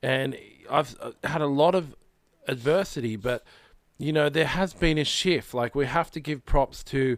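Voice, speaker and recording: In an Australian accent, a man speaks at a moderate pace with a fairly high pitch and ordinary pitch variation, in a dry, close sound with no echo. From Sydney, Australia (Maroubra). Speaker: filmmaker and actor. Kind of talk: casual chat.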